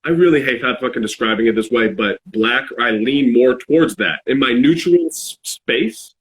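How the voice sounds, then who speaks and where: A man in a casual, reflective podcast chat, halting as he searches for words. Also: medium pitch, a little hiss or hum, rough recording. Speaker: podcast speaker.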